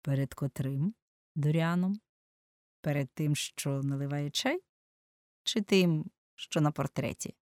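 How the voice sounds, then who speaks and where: A woman reader puts on a worldly English lord, languid and mocking. He speaks in a low, unhurried drawl. The recording is dry and close. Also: a little mellow, no echo. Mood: ironic drawl. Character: languid witty aristocratic Englishman, middle-aged.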